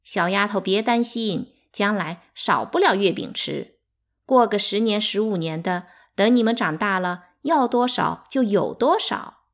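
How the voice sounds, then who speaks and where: A woman's voice: medium pitch, expressive, a little slow. A woman reading aloud, voicing a smug, mocking teenage servant girl who taunts the younger children. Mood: taunting. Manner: taunting, scornful.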